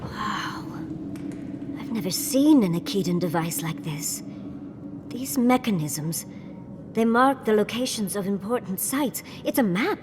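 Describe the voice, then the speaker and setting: An actress playing a wry, older scholarly adventuring companion in a video game, with a teasing, knowing manner. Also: female voice, mid-range voice, lively intonation, unhurried, background noise, natural voice. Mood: curious, impressed.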